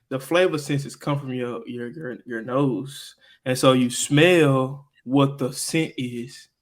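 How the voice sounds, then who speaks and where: A man in his twenties with a Mississippi accent, co-hosting a podcast, playful and excitable in casual chat with his sister. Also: mid-range voice. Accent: Southern US, Mississippi. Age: 20s. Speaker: podcast co-host.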